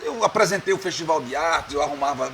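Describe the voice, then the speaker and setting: Chatting indoors at a bar, a male radio producer tells stories in a relaxed interview, laughing frequently and repeatedly tacking on "né?" the way one says "right?". He talks fast and expressively in a slightly high, somewhat bright voice, with a bit of hiss or hum.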